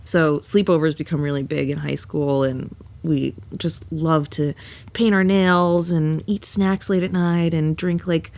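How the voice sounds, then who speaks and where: A young woman telling a candid personal story as a podcast guest, animated and laughing often, with lots of filler words. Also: low-pitched, measured pace.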